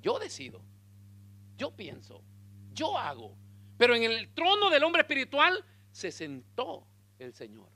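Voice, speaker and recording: A man preaching a sermon as pastor, telling a story in an animated way and calling his listeners brother. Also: high-pitched.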